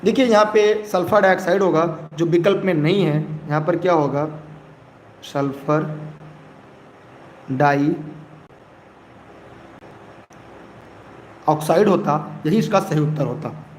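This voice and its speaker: A young male teacher with a high voice and an eastern Uttar Pradesh Hindi accent, running a live exam-prep class. He keeps pressing viewers to comment quickly and repeats key phrases. The room is echoey, with a faint hiss behind him.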